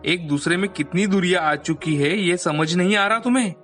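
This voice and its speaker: Woman doing a deep-voiced stern old grandfather. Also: moderate pace, soft background music, lightly acted. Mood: scolding. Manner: scolding, lecturing.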